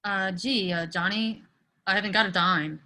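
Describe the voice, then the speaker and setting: A woman's voice: mid-range voice, fairly even intonation, moderate pace, pushed and bright, natural voice. A woman playing a nervous, lovesick teenage boy in a comedy table read, with a hesitant, stammering manner. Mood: flustered.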